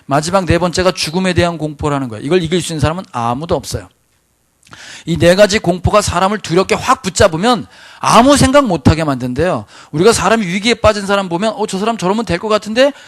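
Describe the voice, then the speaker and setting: Animated pastor, man, slightly high voice. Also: fast talker. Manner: animated, rhetorical questions to the congregation. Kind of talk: sermon. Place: church sanctuary.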